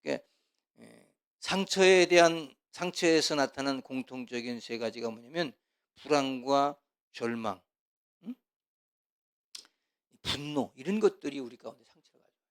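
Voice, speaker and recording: A middle-aged man teaching as a pastor in a casual, chatty way, with asides, and acting out quarrels in a loud voice. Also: medium pitch, lively intonation, moderate pace, pauses often, clear, resonant tone. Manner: chatty, asides and laughs, acts out quarrels loudly. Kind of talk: casual church teaching talk.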